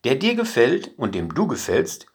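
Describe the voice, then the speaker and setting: A male storyteller voicing a hurried traveling man in a fairy tale, polite but evasive, in a raised, brighter voice. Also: mid-range voice, wildly swooping pitch, slightly rough, pitched above the performer's own voice.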